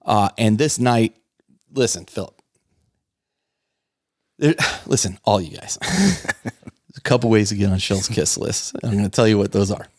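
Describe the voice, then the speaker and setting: Male podcast co-host, lowish voice, chatty and enthusiastic, dry close mic. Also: a little slow, pauses often, no room sound. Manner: enthusiastic, laughs often, rambling restarts. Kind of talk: casual hobby podcast chat.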